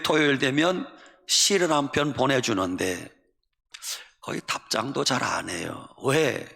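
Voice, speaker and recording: A man's voice: mid-range voice, creaky, bright, forceful tone, big-room sound. A man preaching a sermon as pastor, earnest and emphatic, building his points through short repeated phrases.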